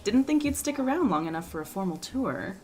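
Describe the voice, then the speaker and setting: A woman's voice: medium pitch, big pitch swings, a little fast, darkish tone, a little hiss or hum, lightly acted. A woman playing a friendly, teasing small-town local in casual audio drama dialogue, breezy and playful.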